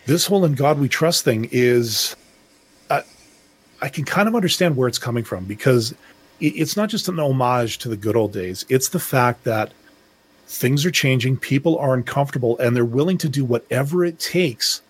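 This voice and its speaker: A man's voice: medium pitch, lively intonation, normal speed, slightly rough. A middle-aged man co-hosting a podcast, talking in a rambling, reflective way with many restarts. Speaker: podcast co-host. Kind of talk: casual discussion.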